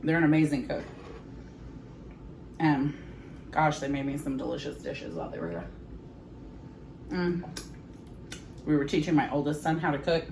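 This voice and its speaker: Chatty woman savoring food, lower voice. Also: expressive, moderate pace, long pauses, a little mellow, slight background noise, low-quality recording. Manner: chatty, savoring bites with frequent mm sounds. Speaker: home cooking vlogger. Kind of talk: casual chat while tasting food. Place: home kitchen.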